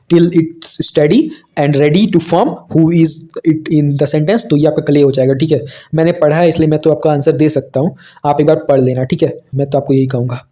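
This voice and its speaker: A young man with an Indian accent walking children through exam answers, repeating reassurances often and reading English questions slowly word by word. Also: fairly high pitch, a little mellow. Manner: talks to children, repeats "theek hai" often. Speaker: online tutor. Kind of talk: exam solution walkthrough.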